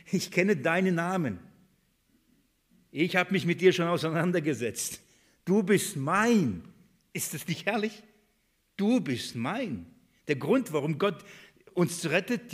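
Preacher, male, a slightly high voice, sermon delivery, reads verses slowly with heavy stress, fires rhetorical questions at the room. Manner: reads scripture aloud, slowing and stressing key words; asks the congregation rhetorical questions.

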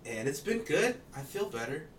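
A man's voice: a little high, sing-song, moderate pace, slight background noise. A young man chatting casually as a podcast guest, rambling with fillers and laughing often.

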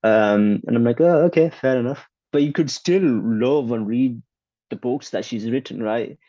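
A man's voice: mid-range voice, moderate pace, mellow, no room sound, dull audio. A man in his twenties chatting casually, opinionated and acting out quotes as he tells his stories. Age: 20s. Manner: opinionated, acts out quotes, stammers on restarts. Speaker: conversation partner. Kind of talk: casual chat.

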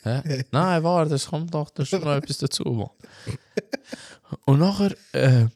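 A young Albanian man from Macedonia with a Swiss German accent hosts a podcast and tells a casual story in a chatty way. His voice is fairly high and a little slow, recorded in a clean studio with no room sound. He's an animated, slangy storyteller who leans on frequent filler tags.

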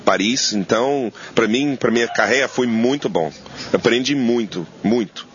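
Halting New chef speaking Portuguese. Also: male voice, medium pitch, highs cut off, a little hiss or hum. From New Zealand. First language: English. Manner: halting, searching for words in Portuguese. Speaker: chef guest. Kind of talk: casual interview.

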